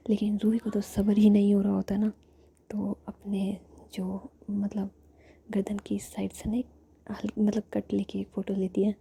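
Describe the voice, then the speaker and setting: A woman narrating a romantic story in a steady whisper. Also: medium pitch, a little slow, vocal fry, a little hiss or hum. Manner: soft whisper throughout, flat delivery.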